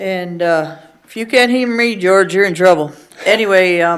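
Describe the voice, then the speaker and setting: A woman speaks at a medium pitch, at a fairly slow pace. Her pitch varies in an ordinary way, and there is audible room echo. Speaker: county commissioner. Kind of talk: public meeting discussion. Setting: county commission meeting chamber. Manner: loud; hesitant, many ums.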